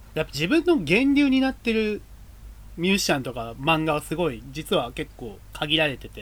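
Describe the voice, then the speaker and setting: Speaking at a moderate pace, a man lets his loudness swing widely. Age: 20s. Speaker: culture writer. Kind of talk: casual interview chat. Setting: remote recording.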